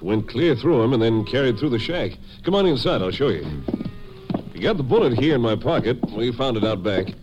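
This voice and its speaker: Guy playing folksy sheriff, lively up-and-down voice, muffled old radio recording. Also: mid-range voice, brisk, noisy background, natural voice. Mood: matter-of-fact. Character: plain-spoken, helpful country sheriff. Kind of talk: 1950s radio western acting.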